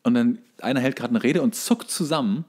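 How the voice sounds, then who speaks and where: A man's voice: mid-range voice, fast talker, darkish tone. Casual male podcast co-host. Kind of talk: casual chat, retelling cartoon episodes.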